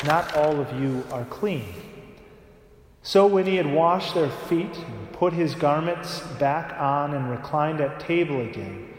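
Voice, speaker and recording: A man serving as a priest at Mass reads the Gospel and then preaches a homily, with a casual way of talking that he keeps dotting with "right?". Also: on the high side. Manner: talks in a casual way with frequent "right?" tags. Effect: cathedral echo. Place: large church. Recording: long echoing church reverb.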